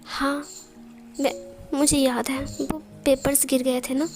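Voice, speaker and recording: A woman voicing a shy, jealous young man who sulks and gets flustered, in her own high voice. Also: little pitch movement, slow, darkish tone, faint music behind. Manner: sulky, flustered.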